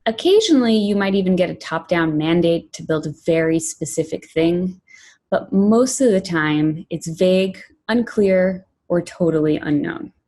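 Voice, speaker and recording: Woman giving a measured conference talk. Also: fairly low pitch, animated, mellow. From Poland, raised in New York City. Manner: clear, measured presenting with lists and emphasis. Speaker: conference speaker, product director.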